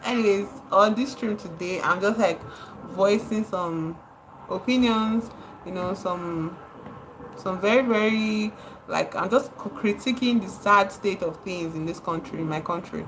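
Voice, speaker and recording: A woman's voice: medium pitch, unhurried, slight background noise, poor audio. A Nigerian woman livestreaming, speaking with passion, repeating words for emphasis and greeting her chat viewers. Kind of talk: live stream commentary.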